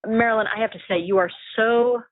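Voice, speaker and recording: A woman's voice: a little high, steady tone, quick pace, no room sound. Casting: female interview host, effusive and encouraging, thin telephone-band sound, very dry. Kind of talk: conversational online interview. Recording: phone-like, narrow-band dry call audio.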